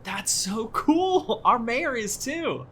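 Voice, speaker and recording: A young small-town local, played by an actor in an audio drama, friendly but worried. The voice is mid-pitched and moves up and down a lot in earnest, conversational speech. There is ambient noise faintly behind it. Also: animated, takes it slowly, fairly bright tone. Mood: excited. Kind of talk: naturalistic audio drama acting.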